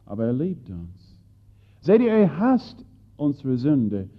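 A man preaching a sermon, swinging between loud bursts and hushed lines and putting questions to his listeners. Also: medium pitch, huge pitch swings, slow pace. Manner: addresses listeners directly with questions. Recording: tinny phone-like audio.

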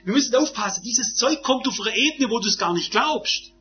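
A man preaches in a high voice. He fires off rhetorical questions and shifts between forceful outbursts and quiet asides. The recording sounds dull and lo-fi. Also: animated, a little fast, slight background noise. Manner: emphatic, rhetorical questions, swings from loud to hushed. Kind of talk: sermon.

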